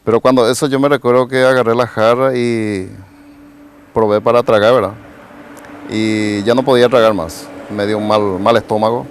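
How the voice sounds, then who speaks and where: A man's voice: medium pitch, steady tone, moderate pace, a little hiss or hum. A man, a pastor giving a rambling personal testimony in an interview, tagging his phrases with a questioning "right?". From Paraguay. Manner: rambling storyteller, tags nearly every phrase with a questioning "right?". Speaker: pastor and evangelist, interview guest.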